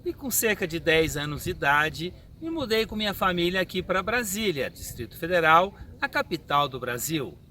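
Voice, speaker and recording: A Brazilian man in his fifties, a forensic medical examiner, answering interview questions in a measured, teaching manner. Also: a little high, very animated, pushed and bright. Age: 50s. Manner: measured, didactic. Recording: street and car noise behind.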